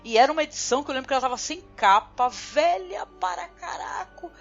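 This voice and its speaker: A woman's voice: sits high, rapid-fire, fairly bright tone. A woman from Brazil hosting a podcast in casual chat, talking loosely and filling constantly with little tag words. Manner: chatty, fills with "né" constantly. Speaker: podcast host. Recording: dull lo-fi audio with faint music.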